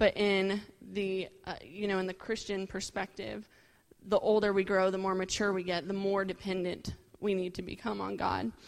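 On a very clean recording with a silent background, a woman with an American accent talks at a moderate pace and medium pitch in an unremarkable speaking voice. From Illinois, US Midwest. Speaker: pastor's child giving a sermon. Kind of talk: sermon. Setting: stage with audience.

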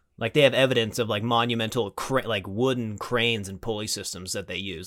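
A man with an ordinary speaking voice talks at a fairly quick pace, with fairly low pitch and ordinary pitch variation. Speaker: podcast host. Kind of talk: casual chat.

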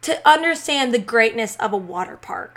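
Her pitch swings very widely as a woman with an American accent speaks in an animated tone at a fairly slow pace. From South Carolina, Lexington. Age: 20s. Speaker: podcast host. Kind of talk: casual solo monologue.

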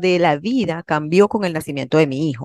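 A woman speaks at a moderate pace with a Venezuelan accent and ordinary pitch variation, her voice dry and close with no echo against a quiet background. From Venezuela, Valencia. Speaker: life coach. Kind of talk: casual chat.

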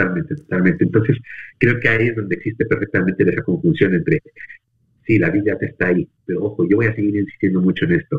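A man talks at a fairly quick pace in a fairly low pitch. His pitch swings very widely. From Mexico, Tulancingo, Hidalgo. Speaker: media executive. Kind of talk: interview.

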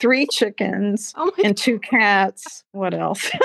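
The sound is dry and close, with no echo. A woman with a slight Texan accent speaks very slowly. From Texas. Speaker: retiree living abroad. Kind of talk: casual interview chat.

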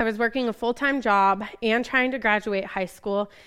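A woman's unremarkable speaking voice, fairly high in pitch, at a moderate pace with fairly even intonation. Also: very clean recording, silent background. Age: 20s. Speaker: preacher. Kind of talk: sermon.

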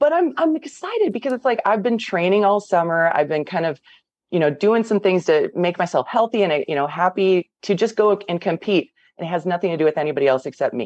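Against a quiet background, a woman speaks at a fairly quick pace with lively intonation. Her medium-pitched voice is an unremarkable speaking voice. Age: 40s. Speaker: volleyball recruiting coach. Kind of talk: casual interview. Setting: video call.

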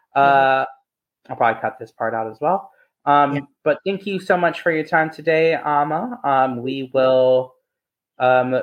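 At a fairly slow pace, a man speaks in a plain, everyday voice with a fairly high pitch and ordinary pitch variation. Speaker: teacher and podcast host. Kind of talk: casual conversation.

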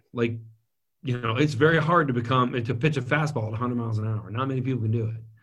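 Recorded with audible room echo, a man speaks at a medium pitch, somewhat breathy, with ordinary pitch variation. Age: 40s. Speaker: biomedical engineer and inventor. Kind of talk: interview.

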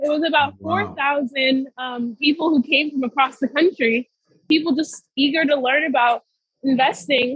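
In a New York accent, a woman speaks at a high pitch and a moderate pace with ordinary pitch variation. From New York City. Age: 20s. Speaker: realtor and real estate investor. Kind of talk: casual chat.

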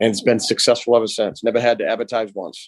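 Speaking at a fairly quick pace with an American accent, a man with a medium-pitched voice is heard in a dry, close sound with no echo. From northeastern Massachusetts (Bradford, Haverhill). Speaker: flooring business owner. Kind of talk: casual chat.

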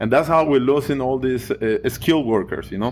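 Speaking at a fairly quick pace, a man with a Spanish accent keeps a medium pitch with ordinary variation. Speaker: construction worker and podcast host. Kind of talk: casual advocacy chat.

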